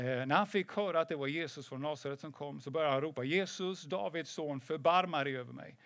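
A man preaches to his congregation in a chatty, conversational way, often checking in with "eller hur?" and dropping in English phrases. His voice sits a little high, and the recording is close and dry with no room echo. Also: fairly bright tone. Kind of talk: sermon.

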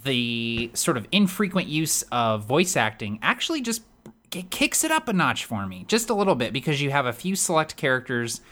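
A man with a high voice, co-hosting a podcast in casual chat, talkative and laughing often with lots of fillers. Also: sing-song, moderate pace, a bit bright. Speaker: podcast co-host.

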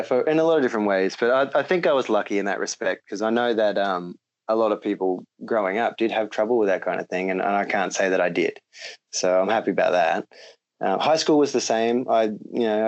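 A man's voice: on the low side, lo-fi sound. A young Australian man talking casually as a podcast guest, rambling with lots of ums and easy laughs. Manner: relaxed, rambling with many ums, laughs easily.

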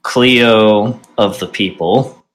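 A man runs a tabletop game, describing each detail with slow, deliberate care. His delivery is unhurried and his tone bright and forceful, set a little low. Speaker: game master.

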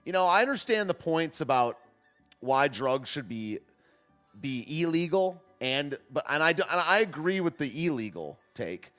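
A man's voice: fairly high pitch, big pitch swings, moderate pace, fairly bright tone, soft background music. A man hosting a casual livestream, reacting to clips and chat in a joking, rambling way that often trails off and restarts. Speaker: livestream host. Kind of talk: casual commentary, reading chat.

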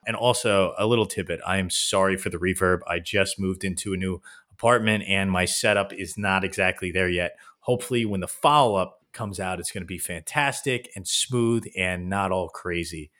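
A man's voice: low voice, normal speed, a bit bright. A man co-hosting a casual podcast, rambling along with fillers and swearing, recorded at home in a new apartment with roomy reverb. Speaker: podcast co-host. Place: new apartment, setup not finished. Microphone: home podcast mic under a blanket tent.

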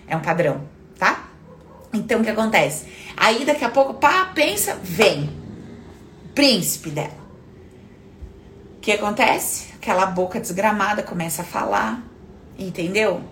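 A woman hosting a casual self-help live talk, animated and acting out inner voices, swearing casually. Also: medium pitch, unhurried, pauses often, a little hiss or hum.

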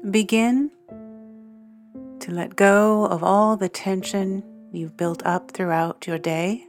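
A woman guiding a sleep meditation in a soothing, hushed, measured manner with long pauses between phrases. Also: medium pitch, steady tone. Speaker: meditation guide, podcast host. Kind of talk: guided sleep meditation narration. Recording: music under the voice. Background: soft guitar and piano music.

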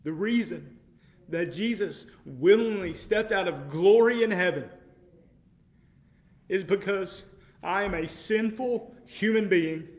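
A man preaching with fervor, his voice sitting slightly high for a man. He drops low and slow for solemn lines, then rises into loud, incredulous exclamations. The delivery is a heartfelt sermon. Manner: impassioned, swings from quiet to loud exclamation.

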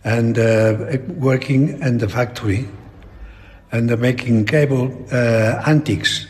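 A very old man with a Spanish accent, talking reflectively in an interview in halting, broken English with repeated words. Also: mid-range voice, darkish tone. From Spain. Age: elderly. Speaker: painter being interviewed. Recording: long echoing reverb in a hall.

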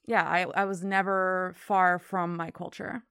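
A woman's voice: on the low side, little pitch movement, unhurried, bright, forceful tone, clear, resonant tone, no echo, clean studio sound. A woman from Miami in her thirties with an American accent, telling her story casually as an interview guest. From Miami, Florida.

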